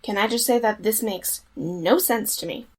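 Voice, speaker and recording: A woman's voice: mid-range voice, normal speed, a little mellow, slightly rough, close to an everyday voice. A woman acting a determined, blunt young heroine in an audio drama. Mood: matter-of-fact.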